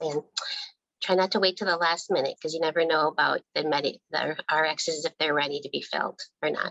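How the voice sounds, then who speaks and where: Speaking at a moderate pace, a woman with a fairly low pitch and a bright, sharp tone keeps her intonation fairly even in a dry, close recording with no echo. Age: 50s. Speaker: patient advocate. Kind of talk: testimony.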